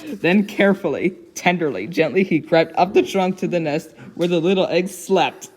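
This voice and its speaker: A woman's voice: fairly low pitch, moderate pace, noisy background. A woman giving a dramatic, playful reading of a children's storybook, given to giggling. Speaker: story reader.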